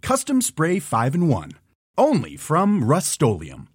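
A man with a husky, fairly high voice reads a commercial, his pitch leaping widely up and down. The sound is dry and close. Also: wildly swooping pitch, takes it slowly, no echo. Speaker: announcer. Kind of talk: scripted commercial read.

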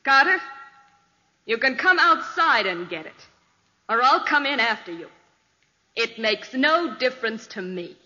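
A ruthless, sneering woman crook, commanding and swooping in pitch. The old radio recording is dull and rings with long reverb. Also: big pitch swings, a little slow, pauses often. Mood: menacing. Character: ruthless, domineering female crook with a gun. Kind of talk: 1940s radio acting.

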